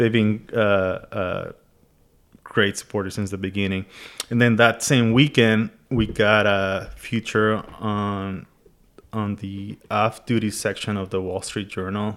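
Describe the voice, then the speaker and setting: With a Spanish accent, a man talks at a fairly slow pace and a fairly low pitch. His intonation is monotone and flat, broken by long, frequent pauses. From northern Mexico, Hermosillo, Sonora. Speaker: tortilla business owner. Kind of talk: casual interview. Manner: halting, repeats words.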